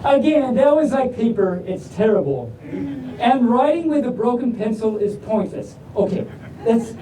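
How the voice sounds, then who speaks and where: At a live convention event, a storyteller reads picture books to a crowd at a measured pace, her voice animated amid audience noise. The distant mic picks up a roomy space and a faint rumble as she clowns around and rambles into jokes at her own expense.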